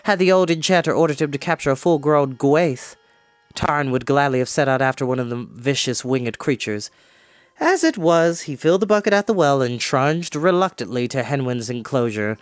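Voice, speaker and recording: A man reading a fantasy novel aloud as an expressive storyteller. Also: medium pitch, moderate pace, dry recording. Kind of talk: expressive audiobook-style narration. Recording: music playing behind the voice. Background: background music.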